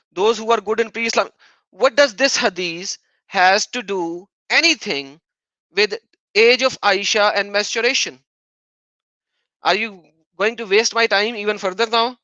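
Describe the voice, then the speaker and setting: A man's voice: high-pitched, pushed and bright, no room sound, low-quality recording. Man, native Urdu speaker, livestream debate host, argumentative, repeats himself, dry close sound. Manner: combative, repeats his point insistently. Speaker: livestream host reading viewer donations.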